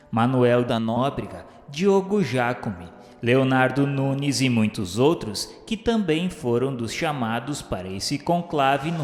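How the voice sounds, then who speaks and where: A man with a Brazilian Portuguese accent reads a religious radio drama narration in a formal, solemn, measured way. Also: medium pitch. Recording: roomy reverberant sound with music underneath. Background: music.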